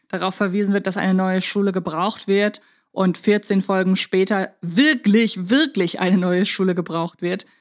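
A woman's voice: mid-range voice, moderate pace. Woman reasoning through podcast chat. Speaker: podcast co-host. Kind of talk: casual podcast discussion.

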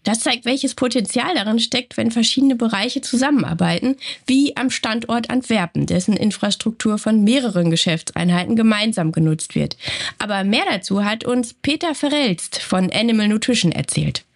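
A woman's voice: on the high side, normal speed, slightly rough. A woman co-hosting a company news show with a stuffy cold, talking in a friendly, conversational way. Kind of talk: casual scripted news chat.

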